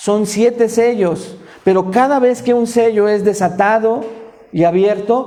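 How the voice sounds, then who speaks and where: There is noticeable background noise and audible room echo as a man speaks with ordinary pitch variation. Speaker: pastor. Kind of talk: sermon. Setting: church.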